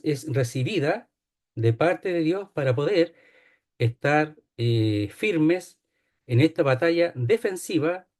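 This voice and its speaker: A man teaches a Bible study in a fairly high voice. He explains each point step by step, repeats key phrases and checks in with his listeners. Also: a little mellow.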